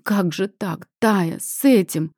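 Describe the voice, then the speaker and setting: A woman's voice: mid-range voice, slow pace, a little mellow, dry recording, studio quality. Woman voicing a shrieking enraged mother. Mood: shrill outrage. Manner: screeching, accusing, trembling. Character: hysterical middle-aged mother, furious and shrill.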